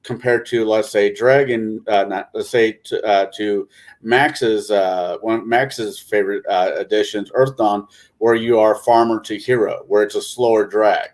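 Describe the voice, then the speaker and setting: A man's voice: on the low side, fairly even intonation, measured pace. A man on a podcast panel discussing casually, hesitantly circling back to rephrase his points.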